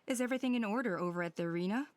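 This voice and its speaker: A woman's voice: medium pitch, rapid-fire, no echo, close to an everyday voice. A woman playing a composed, reassuring tribal elder in a video game. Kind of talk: scripted game character acting.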